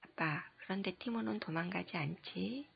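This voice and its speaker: A woman doing a giggly little girl, husky and gravelly. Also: lowish voice, normal speed, exaggerated voice. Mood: playful. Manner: breathy, half-whispered childlike voice. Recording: dull lo-fi recording.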